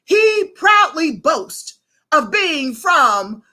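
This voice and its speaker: A woman hosting an online commentary show, animated and rallying, who keeps calling her listeners "family.". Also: sits high, extremely slow, poor audio. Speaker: host.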